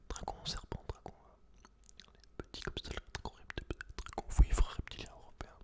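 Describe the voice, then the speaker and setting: A man whispering breathily as an ASMR host, reading aloud and chatting informally to the listener. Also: normal speed. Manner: informal, addresses the listener directly as a friend.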